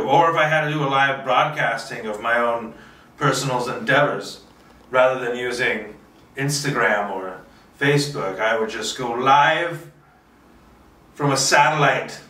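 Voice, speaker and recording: Man, bright forceful voice, casual thinking-aloud delivery, self-talking, playfully boastful, distant microphone. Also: mid-range voice, fairly even intonation, measured pace. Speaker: filmmaker doing a solo table read. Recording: echoey room, distant microphone.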